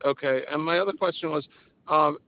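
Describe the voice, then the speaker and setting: Smooth, higher-voiced male analyst, dull audio. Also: a little fast. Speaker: analyst asking questions on an earnings call. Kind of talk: spoken business questions. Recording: slightly dull call audio.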